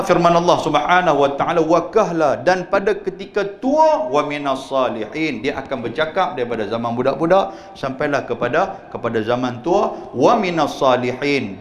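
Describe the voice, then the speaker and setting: Animated preacher with a northern Malay accent. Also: male voice, mid-range voice. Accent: Northern Malay (Kedah-Penang). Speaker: religious teacher. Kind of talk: mosque sermon-lecture on Quran commentary. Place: mosque lecture hall. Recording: echoey live-stream hall audio with faint hum.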